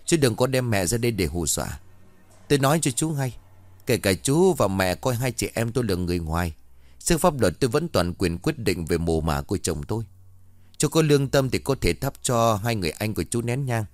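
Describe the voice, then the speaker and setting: A man's voice: on the low side, big pitch swings, brisk, darkish tone, no echo. Man doing a cold defiant widow. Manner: cold, firm, threatening. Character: cold, defiant middle-aged widowed woman.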